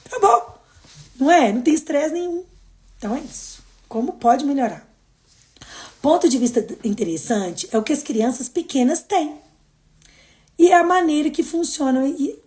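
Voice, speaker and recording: Brazilian lady doing her daily live, high voice, goes loud then soft, chatty and expressive. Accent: Brazilian Portuguese. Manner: expressive, swings between emphatic and soft. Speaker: host of daily live streams. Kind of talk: casual motivational live talk.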